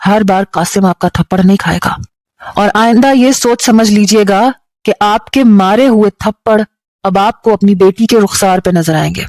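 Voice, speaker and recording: A woman's voice: mid-range voice, darkish tone, no echo, clean studio sound, lightly acted. A woman with a Pakistani Urdu accent voicing a bitter, defiant young man who speaks in a cold, taunting way.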